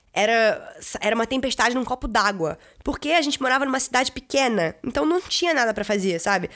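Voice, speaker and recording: A young woman from Brazil telling stories in a casual vlog, chatty, full of fillers and the odd swear word. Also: fairly high pitch. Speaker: vlogger. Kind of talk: casual storytelling.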